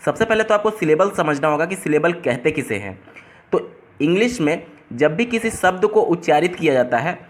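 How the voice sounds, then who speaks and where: A man's voice: a little high, expressive, normal speed. A man working through an exam paper as a tutor, explaining step by step and restating each term in simpler words.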